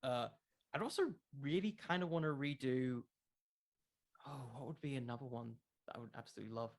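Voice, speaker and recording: A man's voice: medium pitch, fairly quick. A man chatting casually as an interview guest, informally thinking aloud as he answers. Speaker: podcast creator being interviewed.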